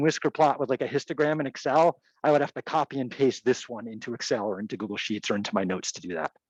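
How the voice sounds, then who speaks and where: In a Rhode Island accent, a man talks at a very fast pace with very wide pitch swings, the sound dry and close with no echo. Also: quiet background. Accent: Rhode Island accent, non-rhotic. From US Northeast, Rhode Island. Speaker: math instructor. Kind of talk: lecture. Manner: casual, conversational.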